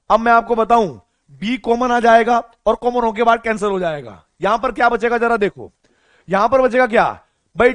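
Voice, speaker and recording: A young man teaching chemistry in an online lecture, keeping his voice low and slow on purpose. He coaxes his students by asking them questions and then answering them himself. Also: no echo. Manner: speaks softly and slowly on purpose. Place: home recording room.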